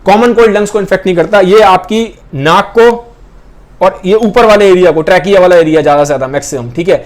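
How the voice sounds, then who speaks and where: Young guy teaching biology, fairly high voice, keeps checking in with the class. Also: quick pace. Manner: repeats points, checks in with "ठीक है" often; points at pictures while explaining. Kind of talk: explaining a class lesson.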